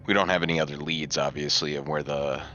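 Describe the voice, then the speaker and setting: A man with a very deep, bright-edged voice takes part in a tabletop game as a player. He chats casually, and the audio is a little dull. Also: steady tone, fast talker, slight background noise.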